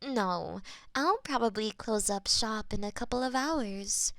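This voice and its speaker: A woman performing a gentle audio roleplay as a florist friend, soft-spoken and a little flustered, recorded on a binaural microphone. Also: a little high, measured pace, dry recording, clean studio sound.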